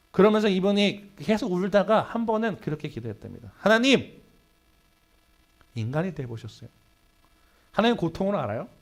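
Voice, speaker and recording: A man preaching a Sunday sermon in a church, telling a story with sudden swings between loud and hushed delivery. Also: fairly high pitch, creaky. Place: church sanctuary.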